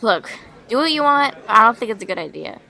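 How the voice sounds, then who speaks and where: A woman voicing an earnest, dramatic schoolgirl character in an animated roleplay. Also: on the high side, fast talker, vocal fry, heavily acted. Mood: worried.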